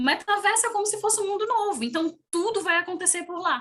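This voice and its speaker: Her voice is raised and projected, with a bright, sharp tone. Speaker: webinar panelist on law and technology. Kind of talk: webinar presentation. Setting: video call.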